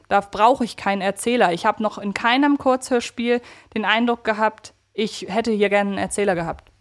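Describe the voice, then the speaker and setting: A woman co-hosting a casual fan podcast, chatty and thinking aloud as she rephrases her points. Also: medium pitch. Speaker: podcast co-host.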